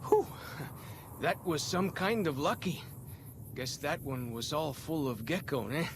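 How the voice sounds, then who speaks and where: A man's voice: fairly high pitch, expressive, unhurried, noisy background. A man playing a friendly young tribal scout guide in a video game, easygoing and folksy with clipped phrasing. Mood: relaxed, wry. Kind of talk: video game character dialogue.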